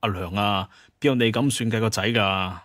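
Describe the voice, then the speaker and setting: A man's voice: fairly low pitch, normal speed, fairly bright tone, no echo, clean studio sound, lightly acted. A man voicing an exasperated, placating grown son, a young hunter chief, in an audio drama, with pleading exclamations.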